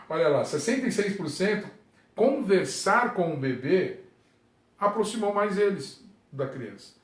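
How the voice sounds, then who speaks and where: A Brazilian man, a pastor, talking casually on a livestream from home, with frequent tag questions and sudden jumps up in pitch for emphasis. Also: roomy sound. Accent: Brazilian Portuguese. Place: room at home.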